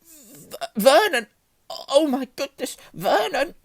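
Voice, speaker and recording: A man's voice: very high voice, sing-song, takes it slowly, vocal fry, no echo, clean studio sound, pitched above the performer's own voice, heavily acted. A man voicing a nervous, easily shocked middle-aged aunt with a quivering voice, in a storybook reading. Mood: shocked, anxious.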